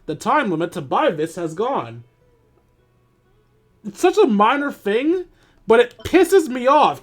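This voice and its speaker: A man doing casual livestream game commentary, talking informally with swearing and grumbling. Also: sits high. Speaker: video game streamer. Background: music.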